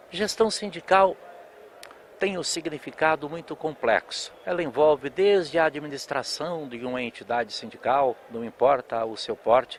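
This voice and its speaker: Delivery comes at a moderate pace with lively intonation and big swings in loudness. Noticeable background noise sits under the speech. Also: man, fairly high pitch for a man. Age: 60s. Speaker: labor lawyer and union educator. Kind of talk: interview. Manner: formal.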